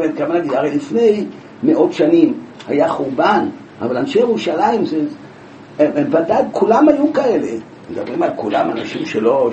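A man teaching a Talmud class, telling the story with lively rhetorical questions. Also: a little high. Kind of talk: Talmud class, explaining a passage. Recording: echoey room from far off, with background noise.

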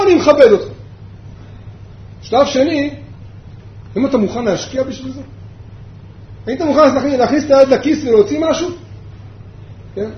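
High-voiced rabbi in an echoey room. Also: male voice. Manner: asks the class rhetorical questions, repeats key points. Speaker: rabbi teaching a yeshiva class. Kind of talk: Torah lesson. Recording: echoey room, dull sound, faint background hum.

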